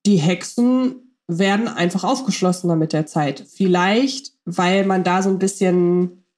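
A woman's voice: mid-range voice, a little mellow. A woman co-hosting a fan podcast, chatting casually and thinking aloud with questions. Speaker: podcast co-host.

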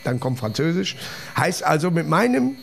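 A man's voice: a little high, very animated, normal speed, vocal fry. A man, a comedian hosting a casual chat who rambles and jokes at his own expense. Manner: rambling, jokey, self-mocking. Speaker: podcast host and comedian.

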